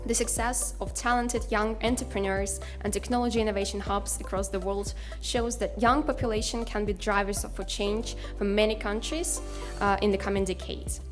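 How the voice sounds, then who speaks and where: A woman's voice: medium pitch, steady tone, moderate pace, music in the background. A woman speaker reading a formal speech in a read-out manner.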